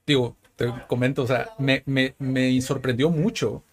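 Un presentador de podcast que conduce una entrevista relajada. Su voz tiene un tono medio. Pregunta con soltura, con un trato cercano y muletillas como "¿no?". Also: male voice, medium pitch, fairly even intonation, a little slow. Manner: friendly, loose, frequent "¿no?" tags. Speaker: podcast host, interviewer. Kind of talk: casual interview. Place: indoor arcade.

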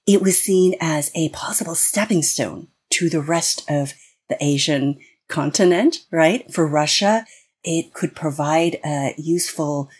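A woman's voice: low voice, slightly rough. An American woman speaking as a guest on an interview podcast, explaining in an earnest way with frequent restarts. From United States. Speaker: guest expert.

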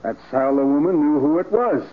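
An actor playing a blunt, insistent police sergeant in 1940s radio drama style, with a brusque, accusing manner. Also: male voice, a little high, lively intonation, moderate pace. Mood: matter-of-fact. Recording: tinny 1940s radio recording.

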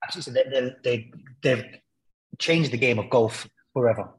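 A man's voice: medium pitch, brisk, slight background noise. Man explaining things as an interview guest. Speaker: football journalist guest. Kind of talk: conversational interview commentary.

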